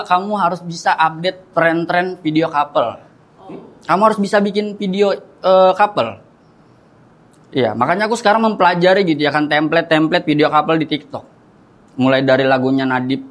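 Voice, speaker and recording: A man's voice: a little high, normal speed, fairly bright tone. A young man doing stand-up comedy, chatting and often turning to the crowd.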